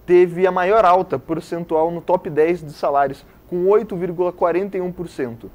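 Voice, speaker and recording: A man's voice: sits high, fairly even intonation, normal speed. A man co-presenting the news, enthusiastically recommending a newspaper article in a rambling, informal way. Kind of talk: casual news commentary.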